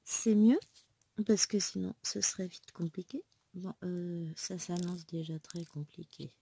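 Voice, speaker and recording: A woman's voice: fairly low pitch, unhurried, vocal fry, background noise. A woman in her thirties with a cold, chatting casually at home while she stitches, rambling and correcting herself as she goes. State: has a cold. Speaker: crafting vlogger. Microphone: phone close by.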